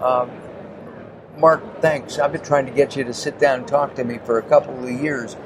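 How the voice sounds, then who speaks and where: A man's fairly high voice at a moderate pace, with ordinary pitch variation, long, frequent pauses and noticeable background noise. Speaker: radio host. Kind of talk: interview. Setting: trade show floor.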